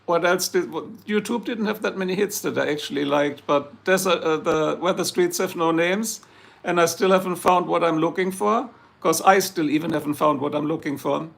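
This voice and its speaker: Hoarse, gravelly German-accented man. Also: fairly high pitch, normal speed, a bit bright. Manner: joking, chatty, reads out viewer comments. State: hoarse, losing his voice. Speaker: livestream host. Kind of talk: rambling casual chat with viewers.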